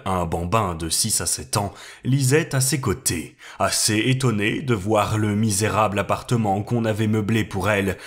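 A man narrating a classic novel as an audiobook reader in a calm, steady way. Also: lowish voice. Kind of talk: scripted narration.

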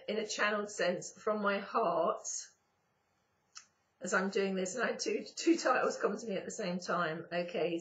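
Still croaky from the morning, a woman channels star beings in a casual spiritual talk to camera for her YouTube channel, her medium-pitched phrasing slow and drawn out with pauses. She sits indoors on her sofa, recorded on a webcam at close range with slightly dull audio.

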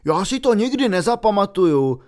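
A man voicing a cheeky, easily bored schoolboy wizard in a lively, matter-of-fact way. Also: fairly high pitch. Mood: grumbling.

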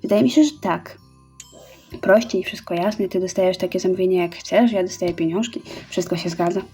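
A woman gives relaxed let's-play commentary in a warm, mellow voice. She chats as she goes, reading orders aloud and counting out each step. Quiet game music runs underneath. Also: lowish voice, a little fast. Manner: chatty, reads orders aloud and counts out steps. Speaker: gaming YouTuber.

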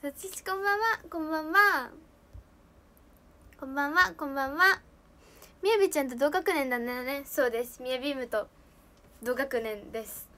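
A bubbly teenage girl with a lilt, chatting on a live stream and reading out viewer comments. Her voice sits very high, and she giggles often between lines. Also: moderate pace, long pauses, bright, forceful tone. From Japan. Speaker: idol trainee streamer. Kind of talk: casual live stream chat.

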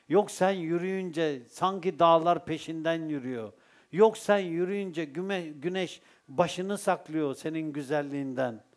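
A man with a Turkish accent giving a religious Sufi talk, telling stories and asking his listeners rhetorical questions. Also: on the high side. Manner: lively storytelling with rhetorical questions. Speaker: Sufi teacher.

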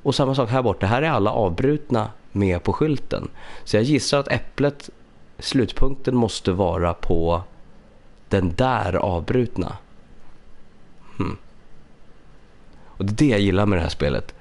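A man with a low, slightly congested voice streams a puzzle game and thinks aloud as he works. He chats casually with his viewers, close to a USB studio microphone. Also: animated, long pauses, darkish tone. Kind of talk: casual live-stream commentary.

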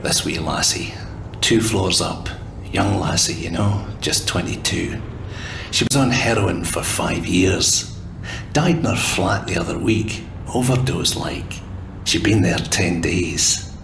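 A man's voice: sits low, slow, vocal fry, echoey room, background noise, heavily acted. A Scottish man playing a grim working-class man in a drama, talking plainly and colloquially in a subdued way.

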